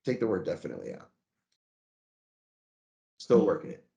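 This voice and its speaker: A man's voice: deep voice, big pitch swings, normal speed, gravelly, mellow, highs cut off. A man leading a sales training, coaching his team with energy and acting out sample phone calls.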